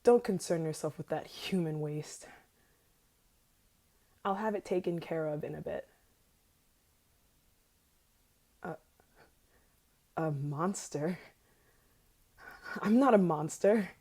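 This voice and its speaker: A woman's voice: low voice, takes it slowly, long pauses, warm tone, full character voice. A woman playing an obsessive, possessive, murderous yandere lover in an intimate ASMR roleplay monologue, moving between whispers and frantic outbursts. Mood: wounded, pleading.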